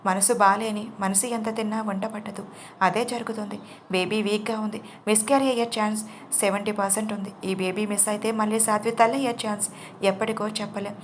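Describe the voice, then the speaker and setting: A woman voicing a calm, caring young husband who explains things steadily in a storybook reading. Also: medium pitch, fairly quick, slight background noise, natural voice. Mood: grave.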